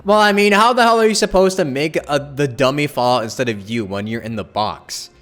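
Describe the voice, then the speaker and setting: Male streamer, average pitch, off-the-cuff game commentary over soft background music. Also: brisk. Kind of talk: casual live reaction commentary.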